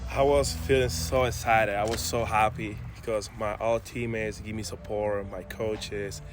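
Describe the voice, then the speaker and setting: A man's voice: on the low side, little pitch movement, a little slow. Young male ballplayer interviewed over music. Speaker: baseball player being interviewed. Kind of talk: sports interview.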